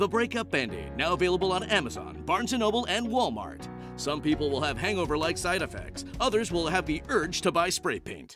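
A man talking at a fairly quick pace with hardly any pauses, music in the background. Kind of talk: infomercial announcer voiceover.

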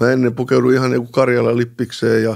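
With a plain, everyday voice, a man talks at a fairly quick pace and a medium pitch. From Finland, Oulu region. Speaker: ex-drug dealer and rapper. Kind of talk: interview, personal story. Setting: studio.

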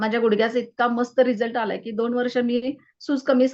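This woman's voice is fairly high. She speaks in a flat monotone. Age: 40s. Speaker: shop owner sharing a nutrition testimonial. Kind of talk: testimony.

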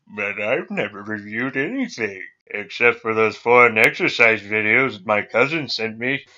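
Using a put-on character voice, a man speaks at a moderate pace and medium pitch with hardly any pauses. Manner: gruff, impatient.

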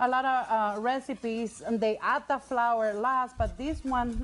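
Talking at a fairly slow pace, a woman uses fairly high pitch with ordinary pitch variation.

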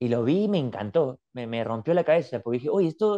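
Over a quiet background, a man speaks at a moderate pace in a dark, mellow tone. His pitch swings very widely. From Peru, Lima (San Miguel); Lima, Peru. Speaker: comedian and stand-up teacher; comedian, stand-up teacher. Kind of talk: interview. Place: home room. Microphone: video call.

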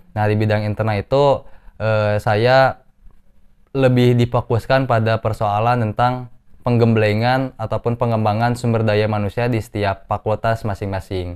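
Against a quiet background, a man speaks at a moderate pace. His intonation is monotone and flat. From Indonesia, Bandung (West Java); West Java, Indonesia. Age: 20s. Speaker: student activist; interviewee. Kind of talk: casual interview. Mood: relaxed casual chat. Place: home room.

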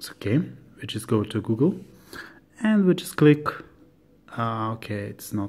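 Speaking at a fairly slow pace in a Lithuanian accent, a man sounds somewhat breathy. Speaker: tutorial video maker. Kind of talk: tutorial. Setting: screen recording voiceover. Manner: halting, hesitant. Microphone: phone near.

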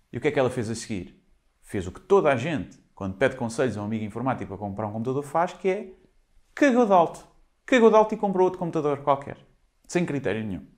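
With a European Portuguese accent, a man speaks at a medium pitch and a very fast pace in an animated tone, his pitch swinging very widely. The background is quiet. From Portugal. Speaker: stand-up comedian. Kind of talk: stand-up comedy. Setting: remote online event, no live audience. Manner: rapid, conversational, punchline-driven, animated. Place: studio.

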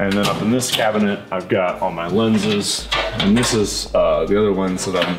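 There is noticeable background noise as a man speaks at a moderate pace. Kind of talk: casual tour commentary. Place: garage.

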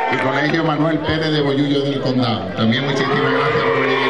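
With crowd noise in the background, a man speaks. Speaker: local sports councillor. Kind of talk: public announcement speech. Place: stadium. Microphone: pa.

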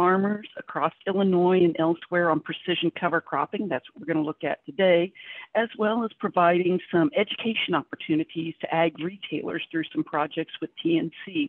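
An ordinary speaking voice moves at a moderate pace with ordinary pitch variation. The sound is dry with no echo, over a quiet background. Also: woman, fairly low pitch for a woman. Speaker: webinar host. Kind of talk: introduction of a guest speaker. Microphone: video call.

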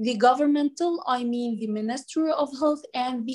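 With an Arabic accent, a woman talks at a moderate pace in a high pitch with ordinary pitch variation against a quiet background. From Palestine (Gaza); Palestine. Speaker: doctor; presenter. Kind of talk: panel presentation. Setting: video call. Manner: halting. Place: home room. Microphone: video call.

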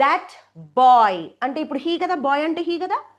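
A woman speaks with very wide swings in pitch against a quiet background. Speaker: spoken English teacher. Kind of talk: lecture.

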